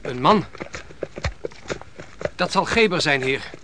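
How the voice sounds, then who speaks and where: An actor playing a respectful, sober-minded soldier in a radio play, speaking earnestly. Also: male voice, on the high side, animated, slow pace, noisy background. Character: deferential soldier, sober-minded aide to his commander.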